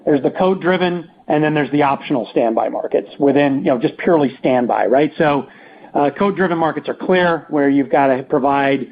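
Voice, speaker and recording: A man speaking as a company executive answering questions on an earnings call, halting and often restarting his phrases. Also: a little high, phone-quality sound, slight background noise. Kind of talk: unscripted business Q&A on an earnings call.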